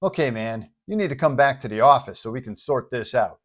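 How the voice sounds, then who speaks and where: A man voicing a superhero's incredulous, excitable male office partner in an audio storybook, sputtering questions. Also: mid-range voice, brisk. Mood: alarmed.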